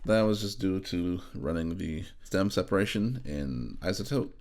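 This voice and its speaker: A man narrating a software tutorial as an audio engineer, informal and thinking aloud as he demonstrates. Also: low-pitched, animated, normal speed, a little hiss or hum. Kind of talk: casual screen-recorded tutorial narration.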